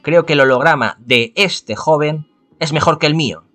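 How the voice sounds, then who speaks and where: A man from playing a visual novel, reading the text aloud and thinking out loud between choices. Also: fairly high pitch, faint music behind. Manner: chatty, thinks aloud, halting restarts. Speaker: let's-play host.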